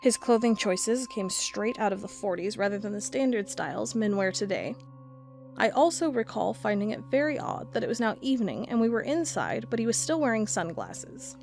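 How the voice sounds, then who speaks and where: A woman's voice: medium pitch, sing-song, normal speed, gravelly, a little mellow, faint music behind. A woman playing an investigator narrating a strange case in a scripted audio drama. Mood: measured, formal. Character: female investigator narrating a strange case, reading aloud reports.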